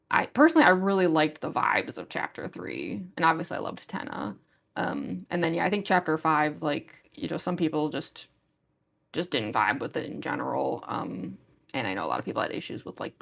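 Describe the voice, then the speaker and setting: A young woman with a gruff voice that is going hoarse, chatting casually with viewers on a livestream in a rambling way full of fillers. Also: lowish voice. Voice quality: gruff, smoker-like voice. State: losing her voice. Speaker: livestream artist. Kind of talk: casual chat with stream viewers.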